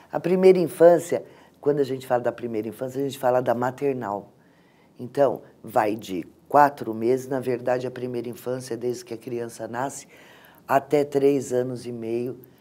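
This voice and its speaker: The voice has a dark, mellow tone and ordinary pitch variation. It moves at a moderate pace, with big swings in loudness. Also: woman, very deep, low pitch for a woman. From Santos, São Paulo state, Brazil; São Paulo state, Brazil. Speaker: city councillor, former teacher. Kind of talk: interview. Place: studio. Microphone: lapel.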